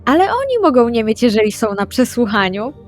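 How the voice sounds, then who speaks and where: Higher-voiced woman in a roleplay session. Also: sing-song, fairly quick. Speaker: tabletop roleplaying player. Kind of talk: in-character roleplay dialogue. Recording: music bed under the voice. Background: background music.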